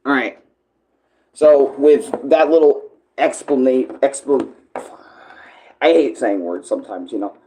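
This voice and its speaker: A man's voice: medium pitch, slow pace, long pauses, mellow, slight background noise, poor audio. A man chatting casually as an online streamer, rambling along, often searching for words and correcting himself. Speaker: online video creator and live streamer. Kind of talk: casual rambling livestream chat.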